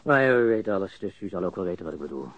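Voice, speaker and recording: A man's voice: sits low, sing-song, rapid-fire, narrow, tinny audio. An actor playing a cocky, jittery criminal suspect in a radio drama, stammering, repeating himself and swearing as he confesses. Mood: confiding.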